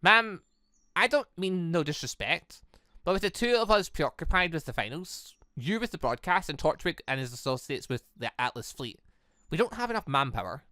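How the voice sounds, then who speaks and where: A man's voice: on the high side, big pitch swings, normal speed, sharp tone, dry recording. Man reading a wary, cheeky young henchwoman. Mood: respectful doubt. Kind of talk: reading visual novel game dialogue in character.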